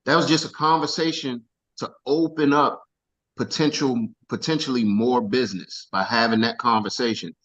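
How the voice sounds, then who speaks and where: A man coaching a team on a video call, energetic and casual, repeating himself for emphasis. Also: mid-range voice, normal speed, rough recording.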